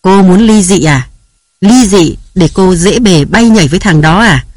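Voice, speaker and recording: A man's voice: high voice, moderate pace, dry recording, clean studio sound. A man reading a furious jealous husband. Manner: harsh, shouted, commanding. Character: jealous, domineering young husband shouting threats.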